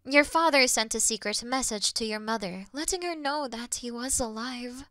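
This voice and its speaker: Woman doing a calm regal demon queen, crisp bright voice, super close dry sound, earnest fantasy audio drama. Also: fairly high pitch, moderate pace, dry recording. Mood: tender, nostalgic. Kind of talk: scripted fantasy audio roleplay addressed to the listener.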